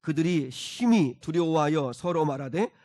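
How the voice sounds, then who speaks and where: A man preaching a sermon as pastor, moving between quiet asides and loud, emphatic exhortation, and leading the congregation in reading scripture. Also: on the high side, expressive, normal speed.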